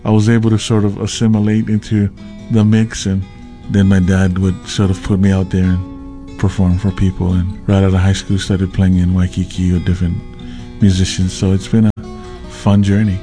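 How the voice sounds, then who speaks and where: A man, a slack key guitarist telling stories in a relaxed interview, often restarting his sentences. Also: sits low, normal speed, faint music behind. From Hawaii. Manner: rambling, with many restarts and laughs. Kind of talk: casual storytelling interview.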